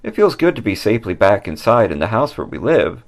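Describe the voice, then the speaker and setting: A man's voice: fairly low pitch, sing-song, gravelly. Man playing giddy dim slacker, wildly swooping voice. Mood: excited. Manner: giddy, halting, stammering. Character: excitable, dim, childlike slacker man in zombie costume. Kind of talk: comic horror audio drama acting.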